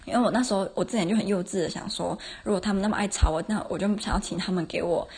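A woman in her 20s hosts a casual solo podcast, chatting away and telling self-mocking stories with lots of laughter. Her mid-range voice comes out rapid-fire, a little mellow and slightly rough.

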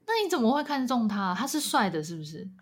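Woman with a bright, bouncy voice. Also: fairly high pitch, big pitch swings, fast, husky. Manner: eager, curious interjections. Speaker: podcast co-host. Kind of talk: casual chat, reacting.

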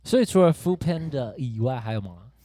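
A man's voice: mid-range voice, expressive, brisk, warm tone, dry recording, studio quality. A man co-hosting a casual podcast chat, playful and exaggerated in how he talks. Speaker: podcast co-host.

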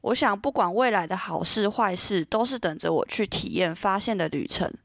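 A young woman from Taiwan talks through a personal story on her solo podcast. Her delivery is gentle and earnest, with many soft pauses, at a middle pitch. The sound is dry and close, with no room echo. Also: vocal fry. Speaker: podcast host. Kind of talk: scripted solo podcast talk.

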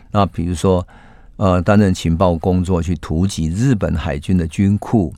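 A man hosting a history podcast, telling a story in a casual narrating voice that rises sharply when he acts out the shouts of the people in it. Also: low voice, creaky, dry recording, studio quality. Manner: animated when voicing quoted shouts; casual filler particles between phrases. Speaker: host.

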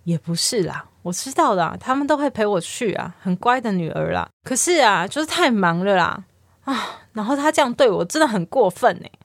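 A woman's voice: medium pitch, lively intonation, moderate pace, no echo, studio quality. A woman voicing an indignant middle-aged mother who complains about her daughter in a raised voice. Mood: complaining. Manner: aggrieved, raised voice.

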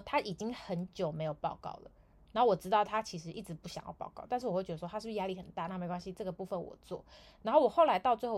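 A woman chats alone on her podcast and spins a rambling story. She talks quickly and leans on fillers and restarts as she goes. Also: mid-range voice. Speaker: podcast host. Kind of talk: casual solo podcast chat.

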